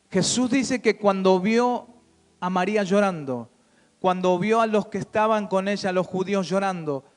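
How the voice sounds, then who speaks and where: High-pitched male pastor preaching to his church, asks the crowd lots of questions, faint music behind. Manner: preaching with rhetorical questions to the congregation. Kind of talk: sermon.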